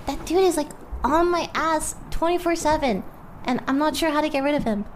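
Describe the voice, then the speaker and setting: A woman acts out a breezy young adventurer in an improvised fantasy game. Her voice is fairly high, the delivery flippant, blunt and chatty. Faint ambient sound runs behind her. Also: fairly quick, a little hiss or hum, close to an everyday voice. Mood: casual, exasperated. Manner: flippant, colloquial, offhand. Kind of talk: improvised tabletop roleplay, casual modern chat.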